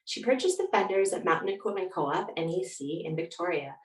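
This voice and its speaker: Female guest author, reflective and thoughtful, slightly low voice, recorded distant in an echoey room. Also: brisk. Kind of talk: reflective interview answers and reading aloud. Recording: roomy echo, distant mic.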